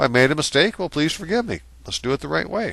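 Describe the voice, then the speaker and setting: Bright and sharp with vocal fry, a man's voice makes very wide pitch swings at a fairly quick pace. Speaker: video blogger on property law. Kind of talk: casual tutorial monologue. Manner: fast; jumping around.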